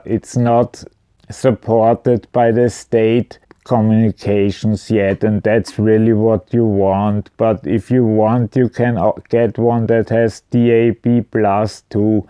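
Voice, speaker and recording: A man's voice: mid-range voice, mellow, clean tone, dry recording, dull audio. A man giving an informal product explanation at home, speaking in a hesitant, matter-of-fact way. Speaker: video presenter. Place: indoors at home.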